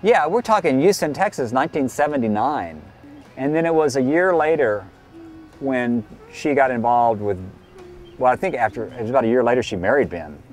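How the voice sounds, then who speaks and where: A man in his sixties speaking candidly in a documentary interview as a gay single father, earnest and reflective, often pausing on "you know.". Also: medium pitch, animated.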